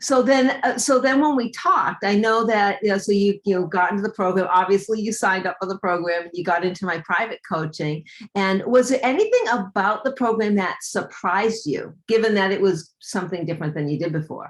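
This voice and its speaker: A woman's normal speaking voice of medium pitch, with ordinary pitch variation and hardly any pauses. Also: fairly quick pace. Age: 60s. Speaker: weight loss coach. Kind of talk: interview.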